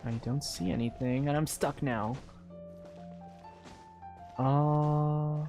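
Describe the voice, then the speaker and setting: Video game streamer, middle pitch. Casual, hesitant, rambling think-aloud commentary with faint game music underneath. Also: fairly even intonation, slow, dark tone. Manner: hesitant, rambling, filler-heavy musing.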